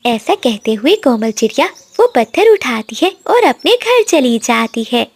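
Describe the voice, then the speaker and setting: A woman narrating a cartoon story in a slow, moral-telling storyteller manner. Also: on the high side, dry recording.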